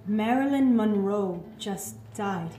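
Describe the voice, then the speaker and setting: A woman acting a gentle young Catholic nun in live radio theatre, soothing and reassuring as she consoles a schoolboy. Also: medium pitch, slow pace, soft background music, natural voice. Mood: concerned. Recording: roomy live stage, clear background noise.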